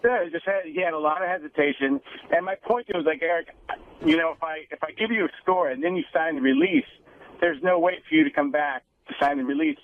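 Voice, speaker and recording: A man's voice: on the high side, fast, dry recording. A man calling in to a radio show over the phone as a guest doctor, explaining things off the cuff. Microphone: phone line. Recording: thin, phone-like call audio.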